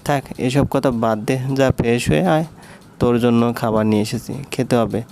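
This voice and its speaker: A man's voice: medium pitch, fairly even intonation, normal speed, gravelly, background noise, natural voice. A man voicing a hot-tempered young man, a bossy older cousin who scolds brusquely in a storybook reading. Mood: scolding.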